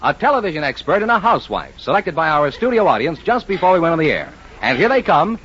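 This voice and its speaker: A man announcing on a radio quiz show, reading the rules and car ads with an eager sales delivery and a slightly husky voice. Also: on the high side, sing-song, fast, a bit bright. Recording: muffled old radio broadcast.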